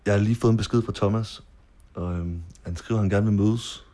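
A man narrating his own story in a quiet, measured first-person documentary style, with marimba music behind him. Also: on the low side, fairly even intonation.

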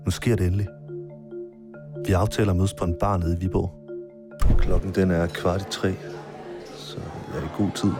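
A man narrating his own story in a quiet, measured first-person documentary style, with marimba music behind him. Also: low voice, level tone.

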